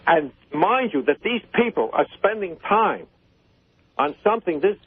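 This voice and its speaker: An older American man calling in to a talk show, halting and repeating himself as he gives indignant opinions. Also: high voice, very animated, a little hiss or hum. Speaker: phone-in guest, host's father. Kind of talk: opinionated talk on current affairs. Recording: thin, narrow telephone line.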